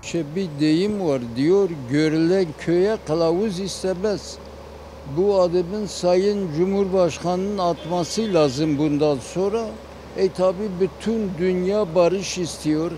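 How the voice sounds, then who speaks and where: A man talks at a very slow pace with a high pitch and ordinary pitch variation. Noticeable background noise runs behind him. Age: 70s. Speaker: street interviewee. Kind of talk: street interview.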